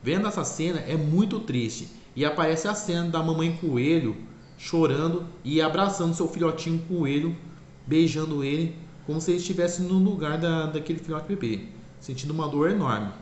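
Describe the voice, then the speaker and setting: In a fairly high, darkish-toned voice at normal speed, a man loosely recounts the story of a cartoon. He wanders, self-corrects often, and repeats "é claro," with echo and faint ambient noise in the background.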